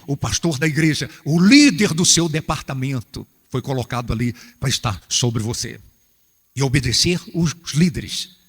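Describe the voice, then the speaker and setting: Man, Brazilian accent, preacher, humorous animated sermon, husky voice, long hall reverb. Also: mid-range voice. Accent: Brazilian Portuguese. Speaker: bishop preaching to church workers.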